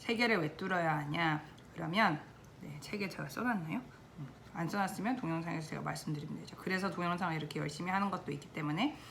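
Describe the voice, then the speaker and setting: A woman with a fairly low pitch talks at a very fast pace. Audible room echo and noticeable background noise are present. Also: ordinary pitch variation. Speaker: baking instructor and cookbook author. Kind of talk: tutorial.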